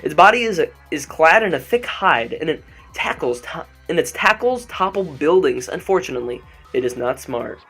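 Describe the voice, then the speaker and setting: A man's voice: a little high, very animated, moderate pace, a bit bright, husky. A young man hosting a let's play, chatting and joking over the game with lots of ums, into a desk microphone. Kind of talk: gameplay commentary. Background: faint background music.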